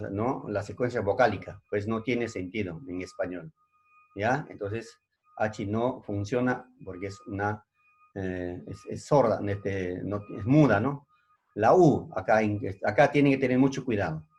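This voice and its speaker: Male secondary school teacher, lowish voice, very slow delivery, repeats himself and keeps checking understanding. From Peru. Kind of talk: recorded language lesson.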